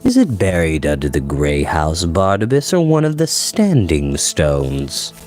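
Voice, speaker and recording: A cold, menacing storybook villain, played by a male reader, speaking very low. He takes his words slowly and deliberately, keeping the threat soft and conversational. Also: wildly swooping pitch, soft background music, exaggerated voice. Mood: soft menace. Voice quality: deep, cold voice. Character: tall, cold, menacing man, quietly sinister villain. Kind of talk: dramatic audiobook character reading.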